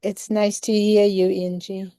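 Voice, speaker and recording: A woman's voice: mid-range voice, level tone, measured pace, mellow, smooth, dry recording. A woman from France, introducing herself in an easygoing way on a video call. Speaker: participant.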